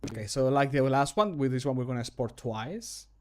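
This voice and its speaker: A man's voice: medium pitch, animated, fairly quick, a little mellow. A man in his thirties, a native Spanish speaker, chatting casually and thinking aloud as he works on a livestream. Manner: self-deprecating, thinking aloud. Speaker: hobby modder and streamer recording voice lines. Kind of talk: casual livestream chat while working. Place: small home room, indoors.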